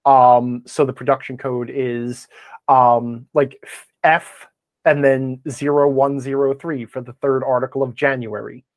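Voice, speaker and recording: A man's voice: medium pitch, level tone, unhurried, no echo, muffled recording. A man talking casually as a podcast guest, rambling along and quoting himself with self-deprecating humor. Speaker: podcast guest, game advice blogger. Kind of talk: casual conversational interview talk.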